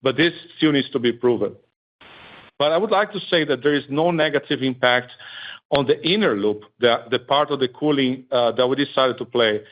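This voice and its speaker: Male executive, mid-pitched, explanatory and methodical, answering on a conference call with slightly muffled, lo-fi sound. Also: normal speed. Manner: methodical, explanatory, enumerates points. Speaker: company executive. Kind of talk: earnings call answer, explaining technology in simple terms. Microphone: conference call line. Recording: dull, lo-fi conference call audio.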